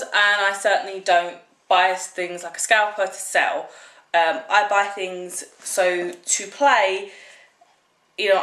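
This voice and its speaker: A woman's voice: mid-range voice, a bit bright. Chatty British woman in an echoey room. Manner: chatty and rambling, lots of "like" and "um". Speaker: vlogger. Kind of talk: casual haul vlog chat.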